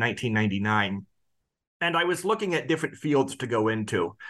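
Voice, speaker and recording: A man with a bright, sharp tone talks at a moderate pace, his intonation lively. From US Midwest, Quincy, Illinois. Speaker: history professor, author. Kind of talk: interview.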